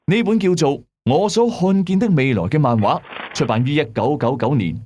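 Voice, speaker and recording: A man's voice: mid-range voice, darkish tone. A man with a Hong Kong Cantonese accent hosting and telling a mystery story in scripted narration. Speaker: host and storyteller.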